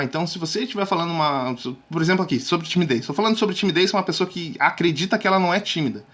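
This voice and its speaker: A man teaching communication skills in a casual video lesson, talking straight to viewers with frequent check-ins and sudden drops to a hushed voice. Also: sits high. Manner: lively, drops suddenly to near-whispers to show technique; chatty, addresses viewers directly with frequent "tá?". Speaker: communication coach.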